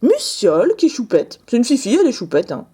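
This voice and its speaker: A woman's voice: on the high side, huge pitch swings, quick pace, mellow, breathy edge. A young woman chatting casually to camera while opening trading cards, bubbly and playful, laughing often with a put-on southern French lilt. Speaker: card-opening vlogger.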